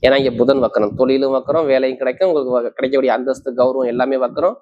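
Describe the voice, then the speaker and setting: Man, rapid-fire astrology forecast, assuring, repetitive emphasis, slightly dull lo-fi recording. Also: mid-range voice, steady tone. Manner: emphatic, assuring, repeats key points. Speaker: astrologer, host. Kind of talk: astrology forecast addressed to viewers.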